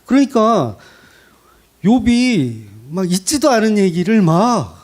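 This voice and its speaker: Lively, high-voiced preaching man. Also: slow pace. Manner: animated, acts out quoted speech with rhetorical questions. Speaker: pastor. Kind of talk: sermon.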